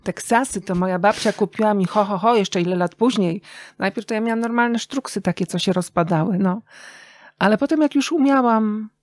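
A middle-aged woman chats as an interview guest in a dry, close recording. Her pitch is average, and she tells things expressively and reflectively, pausing to think. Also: dry recording. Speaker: interview guest, radio journalist and writer. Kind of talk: reflective casual podcast conversation.

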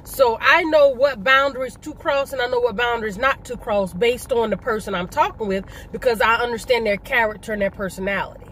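High-voiced, emphatic middle-aged woman vlogging casually. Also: a little fast, hardly any pauses, fairly bright tone, slight background noise. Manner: emphatic, rhetorical questions, repeats for emphasis. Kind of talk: casual mukbang conversation, storytelling.

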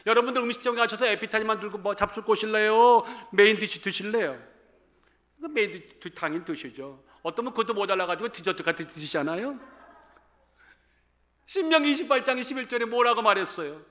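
A man in his fifties preaching a sermon to a church congregation, animated, swinging between loud calls and hushed asides. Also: high-pitched, a little fast. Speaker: pastor. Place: church sanctuary.

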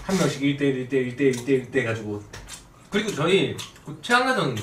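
Fast-talking young man, echoey and off mic. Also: medium pitch, big pitch swings, fairly bright tone, recorded from a distance. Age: 20s. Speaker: guest, gamer. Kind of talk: casual chat. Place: small indoor streaming room. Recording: echoey room, off mic, faint noise.

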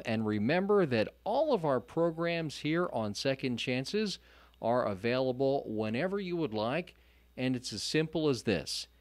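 A man's voice: mid-range voice, no echo. A man hosting a Christian radio talk show, earnest and a little rambling, often restarting his sentences. His voice sits in a middle register and sounds close and dry, with no room around it. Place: radio studio.

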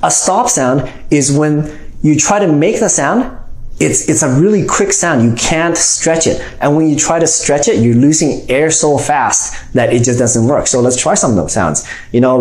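Speaking at a measured pace, a man in his forties teaches phonics, his voice high with a darkish quality. As a reading teacher he explains each point and often adds "okay?". The recording, made on a lapel mic in a small room, sounds roomy and echoing.

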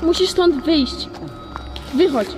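A woman's voice: very high voice, slow pace, music in the background. A young woman in a spooky adventure vlog, pleading and whining in exasperation. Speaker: camera operator and co-host of a video series. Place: abandoned concrete ruins.

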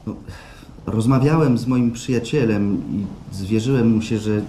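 Male actor as timid, troubled client, halting and polite. Soft dark tone, lowish pitch, roomy radio drama stage. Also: close to an everyday voice. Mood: uneasy. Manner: halting, stammering, polite, tentative. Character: hesitant, unsure, downcast male client seeking help. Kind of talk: naturalistic radio play acting. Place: performed live at a radio theatre festival. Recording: roomy live stage sound, faint noise.

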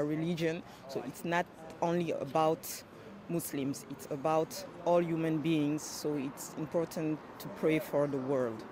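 Slow earnest woman, noisy street recording. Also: deep voice. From West Africa. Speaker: interviewee at a celebration. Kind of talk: street interview. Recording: noisy outdoor field recording.

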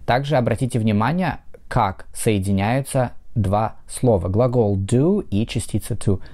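A man teaching English to viewers, explaining each phrase methodically, with pauses and fillers, and repeating example questions slowly. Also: on the low side, dark tone.

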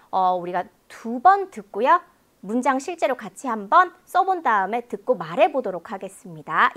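A woman teaching an exam-prep listening lecture, animated and demonstrative, exaggerating sounds for her students. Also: on the high side.

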